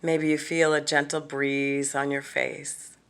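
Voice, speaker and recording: Woman, lowish voice, very slow delivery, guided visualization, gentle, deliberate, long pauses. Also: little pitch movement, clean tone. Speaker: guided meditation leader. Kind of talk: guided visualization, soothing meditation narration.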